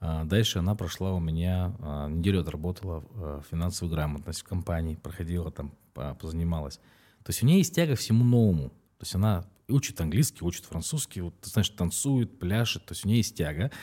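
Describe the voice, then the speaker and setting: On a very clean recording with a silent background, a man with a very deep, low, dark and mellow voice speaks at a fairly quick pace with ordinary pitch variation. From Russia, Sverdlovsk region (Urals). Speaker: fintech company director. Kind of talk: interview.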